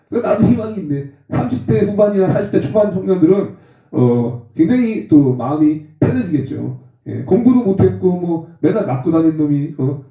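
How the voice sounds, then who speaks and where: A man in his forties preaching a testimony sermon, lively and acting out rough quarrels in slang. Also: on the high side. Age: 40s. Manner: animated, acts out rough phone quarrels with slang. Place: church hall. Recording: roomy, distant, dull sound.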